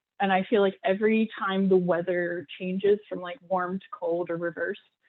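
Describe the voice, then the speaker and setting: A woman with a medium pitch talks at a moderate pace. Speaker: workshop presenter, cyclist. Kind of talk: workshop presentation. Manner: hesitant, many fillers.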